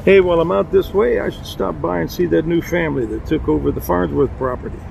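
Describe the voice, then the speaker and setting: Man playing a gravelly, friendly police captain. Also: a little high, fast, a little mellow, slight background noise, poor audio. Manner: chatty, courteous. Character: friendly, neighborly small-town male police captain. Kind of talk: radio drama acting.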